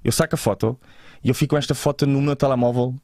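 Fast-talking Portuguese man, dry close sound. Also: medium pitch, fairly even intonation, a little mellow, dry recording. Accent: European Portuguese. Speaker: interview guest, advertising creative and photographer. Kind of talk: casual conversational interview.

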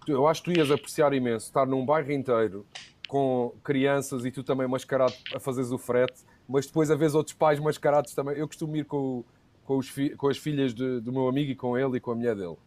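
A man's voice: mid-range voice, steady tone, fast, darkish tone. A man chatting casually, using slang and dropping in English words. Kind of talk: casual group chat.

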